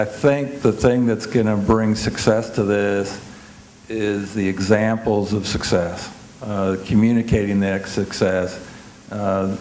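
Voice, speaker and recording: A man on a discussion panel, speaking in a steady, measured way. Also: fairly low pitch, slight background noise, rough recording.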